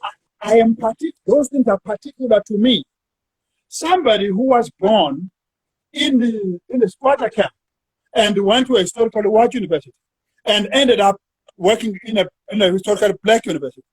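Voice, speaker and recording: A South African man, a university academic, talking through an academic discussion in a measured way and drawing words out while he thinks. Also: high voice, husky, dry recording, rough recording.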